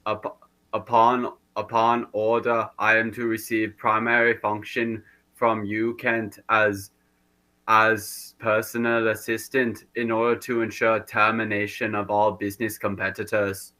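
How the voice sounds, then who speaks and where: A rusty, glitching male cyborg, put on by a man speaks in a dead-flat monotone, catching on syllables and restarting words like a robot with failing gears. The delivery is slow and deliberate, in a low-ish but bright, hard-edged voice. It reads as a stiff, deadpan machine in a comedy sketch. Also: poor audio. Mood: robotic. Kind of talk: comedy sketch role-play.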